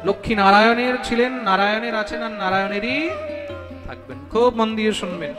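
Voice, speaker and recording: High-voiced man preaching in echoing hall. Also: music in the background. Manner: calls on listeners, repeats questions, chants Sanskrit slowly. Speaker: Bhagwat preacher. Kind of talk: devotional discourse with chanted verses.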